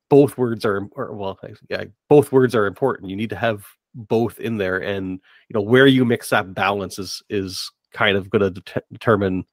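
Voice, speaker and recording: A man hosting a podcast in casual interview chat, halting and repeating words as he puts his questions together. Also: lowish voice, dry recording, studio quality.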